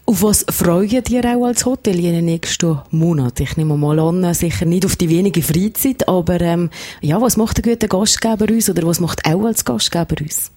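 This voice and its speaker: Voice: mid-range voice, moderate pace, dark tone. A radio show host interviewing a guest in the studio in a chatty, joking way.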